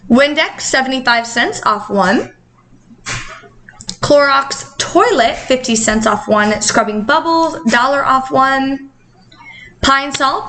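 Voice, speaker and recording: A woman with a high-pitched, bright voice chats through deals like a casual vlogger. Her speech is slightly affected by the retainers she is wearing, and her delivery is upbeat. Some background noise sits faintly behind her. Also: poor audio. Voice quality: talking with dental retainers in, slightly altered articulation. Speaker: couponing vlog host. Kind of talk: casual coupon-deal vlog narration.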